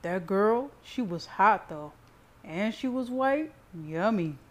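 A woman's voice: medium pitch, slow, a little mellow, natural voice. Woman doing a smug, taunting, crude brother. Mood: smug teasing. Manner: teasing, smug, hissing. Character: taunting, crude, annoying younger man, the brother. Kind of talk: audiobook character reading.

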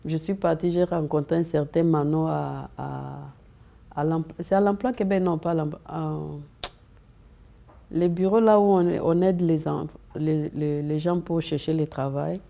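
Brief: woman, deep mellow voice, earnest guest who restarts her words. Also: steady tone, a little slow, gravelly. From Democratic Republic of the Congo. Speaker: interview guest. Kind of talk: conversational interview. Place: community TV studio.

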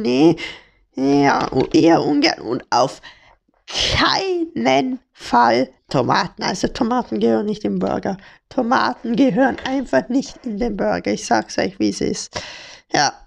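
High, lively, gravelly young woman. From Hamburg. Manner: playful, joking, slang-heavy. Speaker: podcast host. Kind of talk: casual chat.

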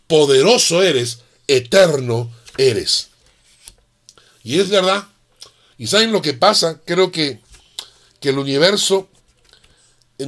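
A middle-aged male pastor preaching a sermon in an animated, emphatic way, full of rhetorical questions. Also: a little high.

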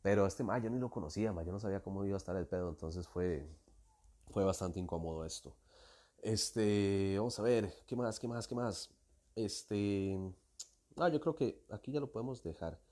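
A man's voice: lowish voice, normal speed, warm tone. A young man with a Costa Rican accent, hosting a podcast and telling a personal story in a casual, slangy monologue full of acted-out quoted dialogue. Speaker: podcast host.

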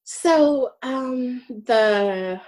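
A woman's voice: a little high, very slow, darkish tone. A woman in her late thirties who grew up in Brooklyn and whose first language is French. She is a guest in a casual interview, answering with hesitant fillers and frequent laughs. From Brooklyn, USA. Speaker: Air Force sergeant, interview guest.

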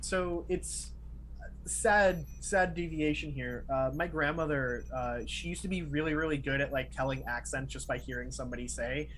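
A Miami man whose family comes from Peru co-hosts a podcast, chatting casually and talkatively with plenty of fillers like "like" and "right?". His voice is on the high side and a bit bright, at a moderate pace, with faint background noise in the recording.

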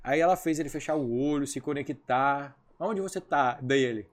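A man's voice: mid-range voice, normal speed. A man who works as a hypnotherapist, guest on a podcast, telling stories animatedly and acting out the dialogue in casual chat. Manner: animated storyteller, acts out dialogue.

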